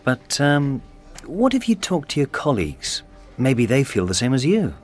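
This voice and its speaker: A man's voice: mid-range voice, huge pitch swings, normal speed, faint music behind. A man performing a scripted office conversation for an English course, in a sympathetic, questioning tone. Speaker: dialogue actor in course audio. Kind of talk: scripted role-play dialogue.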